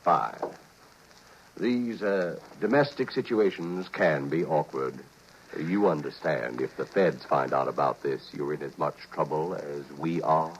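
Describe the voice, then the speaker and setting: A man's voice: rumbling low, unhurried, a little hiss or hum. An American man playing a shady, unctuous black-market salesman with soothing, confidential patter in a 1950s radio drama. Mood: furtive, soothing. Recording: muffled 1950s radio recording.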